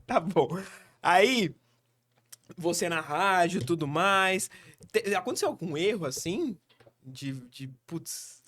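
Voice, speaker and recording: A man's voice: high voice, sing-song, slow pace, long pauses, a bit bright. A man hosting a podcast, asking questions in casual chat and teasing his guests. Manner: playful, teasing, joking with guests. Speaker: podcast host.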